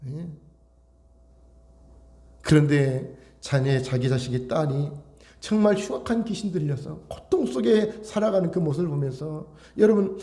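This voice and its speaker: High, lively-voiced male pastor preaching. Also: creaky. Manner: emphatic, full of rhetorical questions to the congregation. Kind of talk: sermon.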